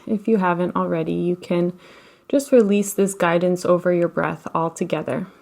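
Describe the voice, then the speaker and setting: A woman leading a guided relaxation as a meditation teacher, speaking in a gentle, unhurried, soothing way with long pauses. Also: lowish voice, vocal fry. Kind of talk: guided meditation, slow instruction.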